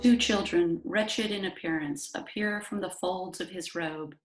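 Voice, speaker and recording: A woman's voice: fairly low pitch, a little slow, music in the background. A woman narrator reading stage directions from a script in a plain scripted style. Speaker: narrator, library staff. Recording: echoey room with background noise, clicks.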